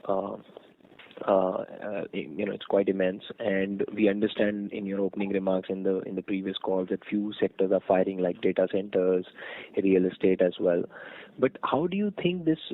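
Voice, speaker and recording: A man's voice: deep voice, normal speed, dry recording. A man speaking as a financial analyst on a conference call, politely asking rambling, hesitant questions. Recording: tinny phone line.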